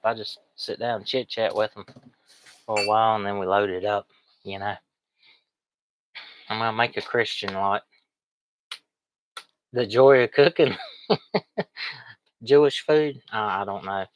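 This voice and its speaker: Sick with a cold and sniffly, a man with a lowish voice streams as an online reseller, rambling folksily while showing off items to viewers. The recording is dry and the audio quality is poor.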